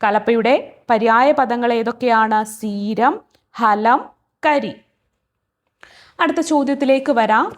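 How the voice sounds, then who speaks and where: A woman's voice: on the high side, takes it slowly, long pauses. A woman teaching as an exam-prep tutor. She reads each question, then repeats the answer several times.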